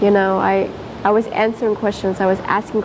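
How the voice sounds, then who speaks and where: A woman with a Californian accent speaks at a fairly quick pace amid noticeable background noise. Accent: American English, Californian. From Vietnam, raised in southern California. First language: Vietnamese. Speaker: poet. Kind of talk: casual conversation. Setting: audience in a museum. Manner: hesitant, many fillers.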